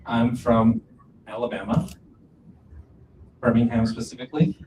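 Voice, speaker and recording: Man, sign language interpreter, calm short phrases, roomy echo, faint hum. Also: medium pitch, unhurried. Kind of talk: live voice interpreting on a panel. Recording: dull, distant, echoey, faint ambient noise.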